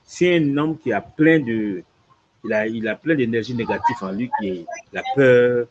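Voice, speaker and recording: An imam answering questions explains a religious teaching conversationally, lively and repetitive, often checking in with "tu vois". His voice is mid-range at a moderate pace, captured in dull, lo-fi audio.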